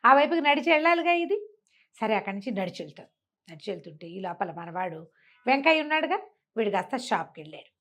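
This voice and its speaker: A woman's voice: fairly high pitch, very animated, fast, a bit bright. A woman telling an oral story in a colloquial, conversational way, putting rhetorical questions to her listener.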